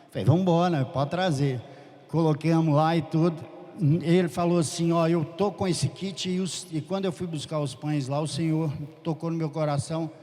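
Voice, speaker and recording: Man telling a church testimony. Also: on the high side. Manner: storytelling, lively quoted dialogue, fervent. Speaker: church member giving testimony. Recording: long hall reverb.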